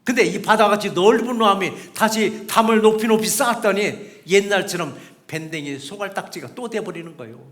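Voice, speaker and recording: A man's voice: high-pitched, fairly quick, few pauses, a bit bright. A middle-aged male pastor preaching a sermon, emphatic and repetitive, acting out short quoted voices.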